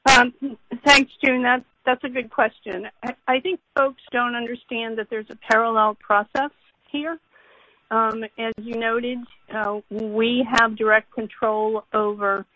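A woman company executive speaks in a careful, formal way, explaining things step by step on an earnings call. Her delivery is fairly even, and the conference line is dull with a clear hiss. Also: a little high. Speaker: company executive answering analysts' questions. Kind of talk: earnings call question and answer.

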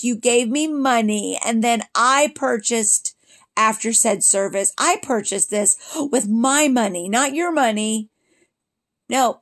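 Blunt, ranting middle-aged woman. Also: on the high side. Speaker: podcast host. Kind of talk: casual solo podcast monologue.

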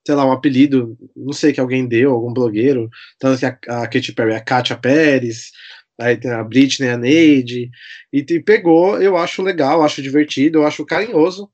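A man's voice: mid-range voice, steady tone, normal speed, darkish tone, dull audio. A man in his thirties with a São Paulo Brazilian accent, talking casually and playfully as a podcast guest. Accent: São Paulo Brazilian Portuguese. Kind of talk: casual conversational storytelling.

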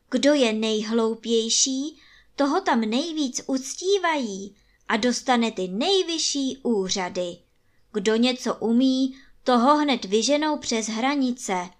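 A woman voicing a boastful adult gentleman in a children's storybook reading, talking emphatically. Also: high voice. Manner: emphatic, indignant.

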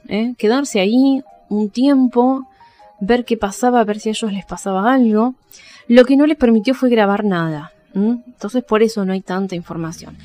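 A woman's voice: a little high, warm tone. A woman with an Argentine accent hosting a podcast, casually telling paranormal history and often checking in with her listeners. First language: Spanish. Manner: conversational, addresses listeners with checking tags. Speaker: podcast host. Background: background music.

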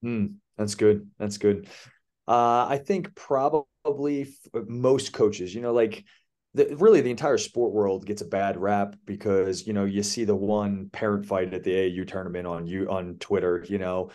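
A man's voice: lowish voice, steady tone, moderate pace, darkish tone. A man, an athletic director, answering an interview question in a confident, explanatory way. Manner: confident, explanatory, speaks in flowing points.

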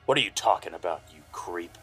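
An actor playing a down-on-his-luck, protective private eye in a noir audio drama, gruff, blunt and urgent. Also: low voice, lively intonation, fairly quick, a bit bright, soft background music, full character voice. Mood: indignant.

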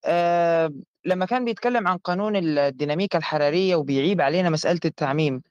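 A man's voice: fairly high pitch, racing, clear, resonant tone, no room sound, lo-fi sound. A man in a casual online debate, emphatic and repeating himself to agree.

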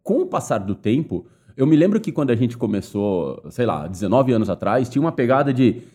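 Husky, lively man telling stories. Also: mid-range voice, fairly quick. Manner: breaks into long laughing fits while telling stories. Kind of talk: casual storytelling chat.

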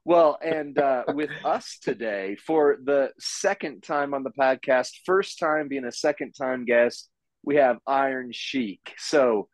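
A man's voice: medium pitch, slow, no room sound, rough recording. A man hosting a podcast, chatting in a friendly, easygoing way over a video call. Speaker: podcast host. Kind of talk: casual chat.

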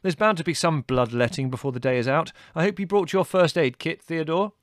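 A man's voice: fairly high pitch, fairly quick, no echo, voice pushed up, natural voice. Guy doing dry teasing young man, sardonic. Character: sardonic young male writer.

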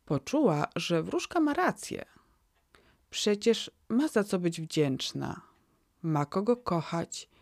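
Woman, podcast storyteller, calm, gentle, slow, lowish voice, dry. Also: dry recording. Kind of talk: calm fairy-tale narration.

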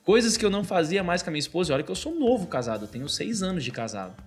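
A man's voice: sits high, very animated, soft background music. A young man with a Brazilian accent, telling a personal faith story in casual chat and peppering his talk with "cara". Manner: fast, fills speech with "cara". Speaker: guest. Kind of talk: casual testimony.

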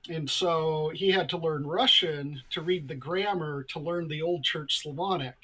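A man being interviewed as a scholar, answering in a measured, thoughtful way with frequent hesitations. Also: a little high, pushed and bright, husky, rough recording. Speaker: guest scholar.

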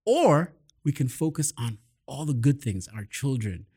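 Upbeat guy host talking mindset stuff, quick and chatty. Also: mid-range voice, sing-song, a little mellow, slightly rough. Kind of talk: casual chat.

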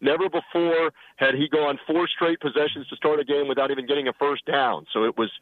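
A man's voice: on the high side, steady tone, fairly quick, dry recording. A man calling in to a sports radio show from a car at a drive-thru. He talks casually with dry humor and frequent fillers, heard over a phone line on speaker.

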